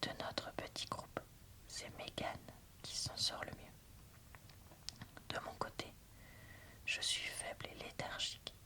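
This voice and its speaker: A woman softly whispering as she reads a novel aloud in an unhurried, deliberate ASMR style. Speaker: booktuber reading a novel aloud and reviewing it. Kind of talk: ASMR whispered book reading.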